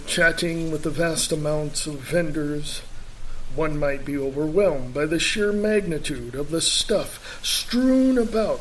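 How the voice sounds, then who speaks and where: A man giving scripted radio narration and promo reads as an announcer, in a deliberate, measured manner. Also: on the high side, slight background noise, poor audio.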